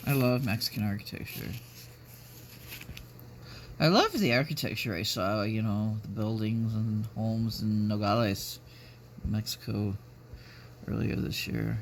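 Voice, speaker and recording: Halting, gravelly middle-aged man chatting casually. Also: lowish voice. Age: 50s. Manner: halting, musing, rambling. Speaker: vlogger. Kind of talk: casual chat. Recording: noticeable background noise.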